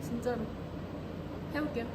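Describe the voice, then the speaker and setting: A woman's voice: normal speed, heavy background noise. A young woman in her twenties with a slight Korean regional dialect, chatting casually and giggling often on a livestream. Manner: giggly, chatty, reads and answers comments. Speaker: idol livestream host.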